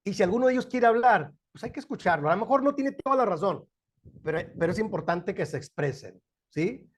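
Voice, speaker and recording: A man's voice: high-pitched, expressive, brisk. A middle-aged man with a Mexican accent, a pastor teaching a church class on family life in a folksy, joking way, often asking the class questions. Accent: Mexican Spanish.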